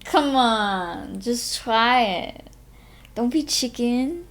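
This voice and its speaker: A woman voicing an eccentric, teasing grown man from an audiobook, self-important, speaking clipped broken English in halting, emphatic phrases. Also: on the high side, animated.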